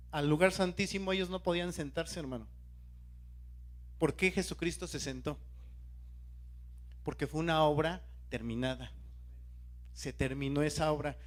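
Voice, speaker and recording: Lay preacher, man, high voice, questions the congregation throughout a sermon. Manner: questions the congregation and urges them to stay alert; keeps calling out to his listeners.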